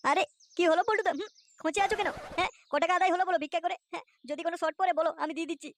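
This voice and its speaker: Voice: very high voice, steady tone, racing, a bit bright, a little hiss or hum. An actor voicing a carefree, boastful, boozy layabout father in a comic cartoon, with a West Bengal accent and slangy, cajoling banter.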